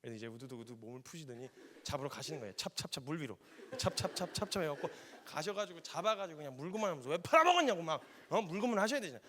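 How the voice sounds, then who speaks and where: Man, missionary preacher; quick-paced, lively sermon storytelling with acted-out dialogue. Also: a little high. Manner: lively storytelling, acting out dialogue in casual speech. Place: church.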